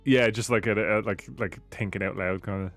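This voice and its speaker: A man playing in a tabletop game, casual and chuckling, thinking out loud. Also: on the low side, steady tone, fairly quick, no room sound, faint music behind. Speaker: player.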